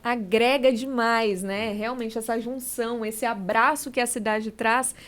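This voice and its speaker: A woman's voice: on the high side, fairly even intonation, unhurried, a bit bright. A woman hosting an interview podcast, affirming and conversational as she sums up and hands over to guests. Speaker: podcast host.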